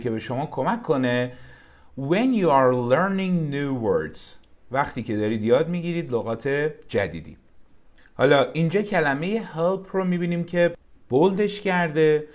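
A man with a Persian accent teaches English vocabulary from a textbook. He reads each English phrase slowly, then explains it in his own language. His pitch moves up and down freely as he talks.

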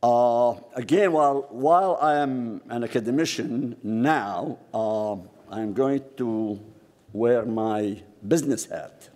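Older syrian-born guy at a podium, mellow dark voice, big hall echo. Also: mid-range voice. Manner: formal, measured, with frequent uh pauses. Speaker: conference commentator, professor. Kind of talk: conference speech. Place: large conference hall. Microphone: podium microphone. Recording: long hall reverb.

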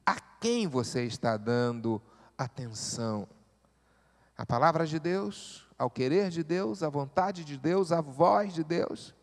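A man, a pastor preaching a sermon with repeated rhetorical questions that build to loud exhortation. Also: a little high, animated, slow pace. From Brazil. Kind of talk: church sermon. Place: church sanctuary. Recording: echoey church hall.

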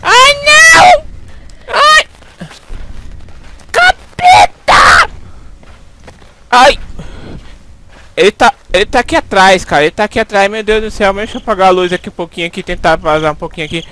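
A man's voice: high voice, rapid-fire, hardly any pauses, a bit bright. A young Brazilian man with a Brazilian Portuguese accent giving jumpy, swearing commentary as he plays a horror game into a headset. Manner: jumpy, swearing, panicky pleading. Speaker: gaming YouTuber.

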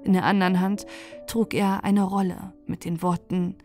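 A woman reads a fairy tale aloud in a soft, gentle, unhurried way, meant for bedtime. Her tone is warm and mellow at a middle pitch. Quiet music lingers in the background. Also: flat delivery. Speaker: audiobook narrator. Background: faint music.

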